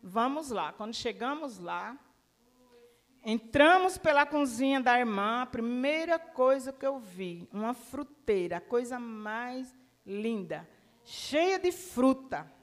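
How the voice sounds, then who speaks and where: A woman preacher giving a sermon testimony, telling her story in a lively way and acting out the dialogue. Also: on the high side, slow pace. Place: church hall. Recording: long church reverb.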